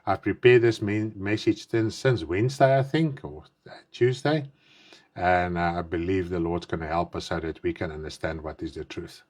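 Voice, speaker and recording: A man's voice: low-pitched, normal speed. A man in his fifties whose first language is Afrikaans, preaching an online sermon in English with an Afrikaans accent. He talks earnestly, repeating and rephrasing himself with emphatic stresses, and says his mouth is dry. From South Africa. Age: 50s. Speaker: pastor.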